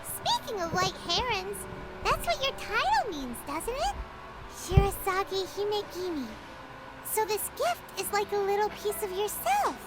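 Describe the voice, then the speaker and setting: A woman's voice: very high-pitched, sing-song, a little slow, heavily acted, low-quality recording. A woman voicing a tiny, chirpy, chatty female companion in a video game, bubbly and bouncy. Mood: admiring. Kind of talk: game voice acting. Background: game music.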